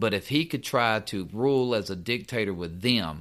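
This man has a normal speaking voice, fairly low in pitch, at a fairly slow pace. The recording is very clean, with a silent background. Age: 40s. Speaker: letter carrier and union shop steward. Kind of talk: instructional talk.

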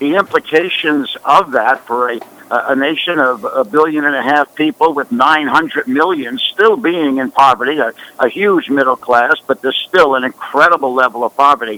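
This man has a normal speaking voice, fairly high in pitch with ordinary variation. He talks at a moderate pace, and the sound is dry and close with no echo. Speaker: professor and author. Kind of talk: radio interview.

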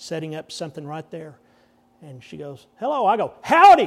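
In a Texan accent, a man speaks at a fairly high pitch. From Texas. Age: 50s. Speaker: pastor. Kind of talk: sermon. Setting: church.

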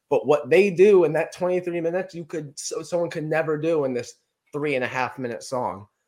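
A man with a normal speaking voice talks at a fairly quick pace. His pitch is fairly high, with ordinary variation. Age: young. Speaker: podcast co-host. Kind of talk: casual chat.

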